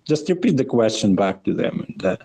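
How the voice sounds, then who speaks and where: A man co-hosting a podcast, chatting in a casual, rambling way with halting, hesitant phrasing and repeated words. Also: on the low side, very animated, vocal fry, warm tone, slightly rough. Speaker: podcast co-host.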